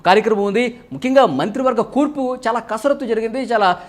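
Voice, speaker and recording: A man delivering political news commentary at a brisk clip, his voice sitting high for a man. He talks fluently and explains as he goes, often leading into phrases with a quick "so".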